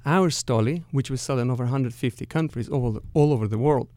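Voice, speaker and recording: A middle-aged man with a Russian accent, answering interview questions as a company executive in a measured, careful, explanatory way. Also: mid-range voice, dark tone, dry recording.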